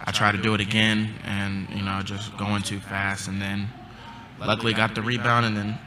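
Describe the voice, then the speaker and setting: A young man and college basketball player answering postgame press questions in a subdued, halting way, with many pauses and ums, into a table mic. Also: on the low side, level tone, noisy background. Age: young adult. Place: press conference room.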